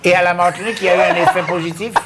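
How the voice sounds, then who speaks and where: A man on a press panel throwing in quick joking remarks. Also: high voice, fairly even intonation, heavy background noise. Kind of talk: panel discussion.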